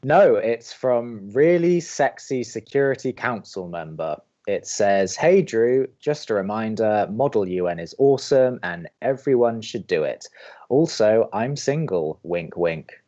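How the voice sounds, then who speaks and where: A man's voice: lowish voice, very animated, unhurried, warm tone, dull audio. A young man playing a sardonic, reluctant college radio co-host in an audio drama, with a dry, skeptical, pedantic way of talking. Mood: dry, mocking. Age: young adult. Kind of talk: scripted audio drama banter.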